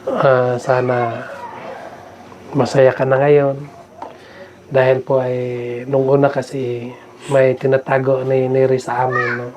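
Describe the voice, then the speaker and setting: A man's voice: mid-range voice, flat delivery, takes it slowly, pauses often, highs cut off. A man hosting a vlog, telling a story in a chatty way and often asking "no?". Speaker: vlog host. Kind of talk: casual vlog talk to viewers. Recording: noisy outdoor ambience.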